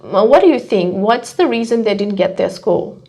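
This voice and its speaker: A woman's voice: mid-range voice, lively intonation, normal speed, darkish tone. A woman teacher co-hosting a casual question-and-answer chat, giving direct advice and putting questions. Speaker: exam prep teacher, co-host.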